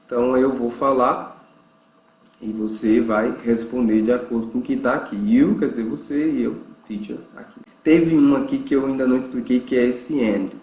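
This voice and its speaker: Brazilian guy teaching english online, says the example words real slow, echoey room. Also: medium pitch, a little mellow. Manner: slow, drawn-out pronunciation drills. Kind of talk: online language lesson.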